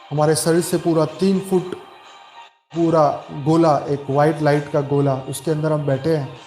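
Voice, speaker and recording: Slow-paced man guiding meditation, echoey. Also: fairly high pitch. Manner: calm, soothing, measured with long pauses. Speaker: meditation guide. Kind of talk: guided meditation, slow repetitive instruction. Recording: roomy echo with background music. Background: meditation music.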